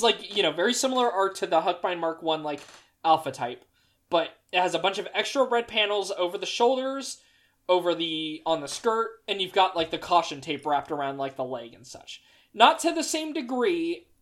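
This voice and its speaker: A woman co-host talking casually and at length, with many fillers. Her voice sits at an ordinary pitch. She rambles and gets exasperated now and then. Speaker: podcast co-host. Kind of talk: casual chat about mecha designs.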